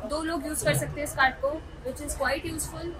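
A woman's voice: high-pitched, fairly even intonation, normal speed, noisy background. A young woman talking on location for a travel vlog, chatty and upbeat, mixing in English phrases. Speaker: travel vlogger.

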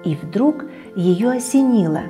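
Middle-aged female storyteller, gentle and expressive, studio read with faint music. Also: medium pitch, unhurried. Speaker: children's TV storyteller. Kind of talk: reading a bedtime story aloud. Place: indoor TV studio set, children's room.

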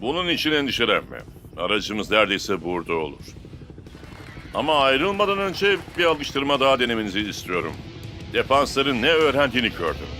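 A man voicing a calm, encouraging football coach in a cartoon, instructing his players. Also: mid-range voice, brisk. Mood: instructive. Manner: instructive, reassuring. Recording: music behind.

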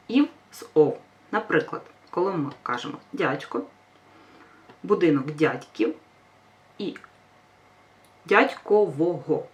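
A woman teacher with a low-pitched, slightly mellow voice gives a grammar lesson, patient and reassuring as she stresses each example word. Her voice sounds a bit far from the mic.

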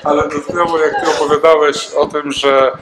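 A man's voice: on the high side, level tone, normal speed, heavy background noise. A man serving as pastor, leading prayer and talking informally at the close of a church seminar, calling people up by name. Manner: warm, informal, calls people forward by name. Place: church gathering.

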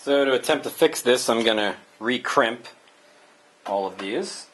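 A young man talks through his plumbing work in a relaxed, step-by-step way, his pitch sitting in the middle range. It is picked up on a camera mic inside a building under construction, with a faint hiss and clicks behind him. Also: unhurried. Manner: relaxed, explains step by step with fillers. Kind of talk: casual how-to narration. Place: indoors in a tire-walled building under construction.

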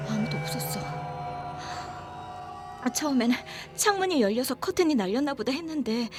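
An actress playing an anxious young woman confiding in a friend, in horror audio drama dialogue with a hesitant, halting delivery. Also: high-pitched. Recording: background music under the voice.

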